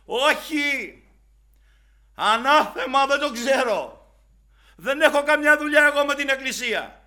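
A man preacher voicing a panicked man who shouts frantic denials of his faith. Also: extremely high pitch, lively intonation, pitched above the performer's own voice, heavily acted.

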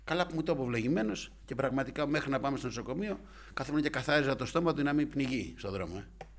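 A man preaching a sermon with fervent delivery, swinging from hushed asides to loud exclamations and often adding short interjections. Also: mid-range voice, expressive, a little hiss or hum.

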